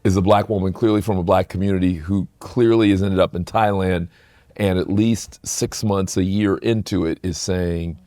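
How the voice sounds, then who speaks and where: A man co-hosting a casual family talk, asking questions and backing others with quick affirmations. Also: deep voice, fairly even intonation, dark tone, no room sound, clean studio sound. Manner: affirming, frequent "right" and "yeah". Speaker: podcast co-host.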